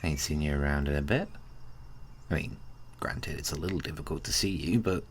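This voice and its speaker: A man playing a laid-back, kind, teasing male friend in an ASMR roleplay, chatting casually and haltingly to the listener. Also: a bass voice, slight background noise. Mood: awkward, let down. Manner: hesitant, halting, colloquial, with sighs and soft chuckles.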